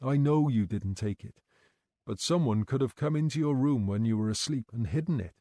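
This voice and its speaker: A man voicing a calm, patient male detective who questions people gently and in a measured way. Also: medium pitch, no echo, studio quality, natural voice.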